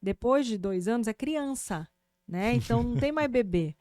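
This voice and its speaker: Animated Brazilian woman explaining clearly. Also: on the high side, normal speed, no room sound, studio quality. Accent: Brazilian Portuguese. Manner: didactic, animated, checks in with "né?" and "tá?". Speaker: speech therapist and podcast host. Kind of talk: explanatory podcast conversation.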